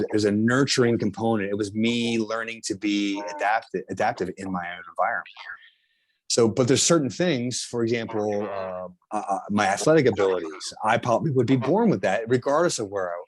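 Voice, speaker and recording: A middle-aged man with a South Jersey accent, a chiropractor explaining his healing technique in an interview, halting and restarting as he talks. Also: fairly low pitch, rough recording. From New Jersey. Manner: halting, with frequent restarts and fillers. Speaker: chiropractor and healer, guest.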